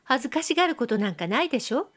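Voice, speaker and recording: Brief: coy young girl with a soft nasal lilt, pitched high, as a woman reader puts her on. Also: sing-song, racing, full character voice. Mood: teasing, lively. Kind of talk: audiobook reading.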